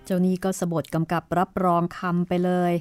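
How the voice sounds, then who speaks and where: A woman narrating a ghost story in a calm, measured storytelling manner. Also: lowish voice, faint music behind.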